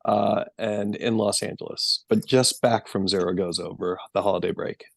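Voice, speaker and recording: Man, parent on a video call, gravelly voice, casual and a bit hesitant. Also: lowish voice, fairly even intonation, moderate pace. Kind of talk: brief self-introduction.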